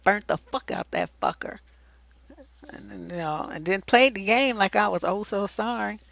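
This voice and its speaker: A woman's voice: mid-range voice, normal speed, vocal fry, a bit bright. A middle-aged woman hosting a relationship advice livestream, talking bluntly and profanely with theatrical flair. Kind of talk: casual livestream advice chat.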